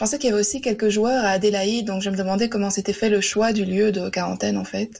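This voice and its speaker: A woman rushes along at a very fast pace in a flat monotone, with hardly any pauses. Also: medium pitch for a woman. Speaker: radio host. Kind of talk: radio interview and presenting. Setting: studio.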